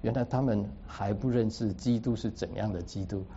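A man's voice: on the low side, moderate pace, dark tone, a little hiss or hum. A man preaching a sermon, teaching through a Bible passage in an explanatory way and dropping English words into his speech. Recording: dull lo-fi recording.

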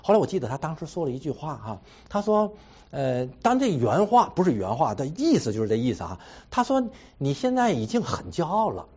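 Casting: husky-voiced man, lively swooping delivery, self-mocking church testimony, dull lo-fi recording. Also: a little high, brisk. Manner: animated storytelling with repeated phrases and a habitual trailing "ha"; laughs at himself between points. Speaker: Christian speaker giving a personal testimony. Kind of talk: personal testimony to a congregation.

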